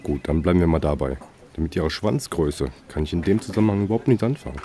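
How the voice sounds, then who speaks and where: An actor playing a weary police emergency dispatcher, dry and sarcastic. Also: male voice, low voice, expressive, quick pace, dark tone, slight background noise. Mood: sardonic. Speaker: police emergency call operator. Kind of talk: radio play with narration.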